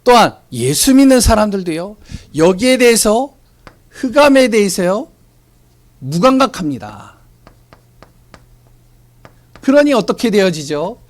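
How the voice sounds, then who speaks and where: Male pastor, sermon delivery; high, very expressive pitch, rhetorical questions, sudden hushed drops. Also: unhurried, pauses often.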